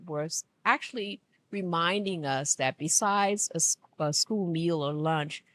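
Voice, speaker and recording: A woman from Liberia giving an earnest, emphatic speech at an event, speaking slowly. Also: low voice, no room sound. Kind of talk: formal public speech. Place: conference room.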